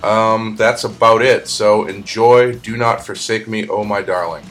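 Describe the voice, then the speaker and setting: Brief: male podcast host, lowish voice, easygoing rambling delivery, studio mic. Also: unhurried, faint music behind. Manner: relaxed, rambling with fillers. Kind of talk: casual podcast chat. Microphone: studio microphone.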